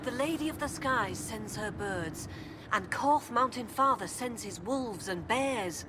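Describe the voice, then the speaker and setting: A woman's voice: a little high, lively intonation, measured pace. A woman playing a hearty, devout tribal huntress in a video game, forthright and earnest like a storyteller. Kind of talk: video game dialogue acting. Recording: clear background noise of game ambience.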